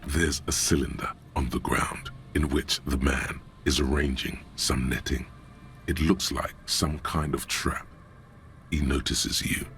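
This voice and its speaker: A rumbling, gravelly game narrator. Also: male voice, fairly even intonation, fairly bright tone, a little hiss or hum, exaggerated voice. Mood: calm, dry. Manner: measured, dry descriptive delivery. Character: gravelly omniscient male narrator voice, calm and observant.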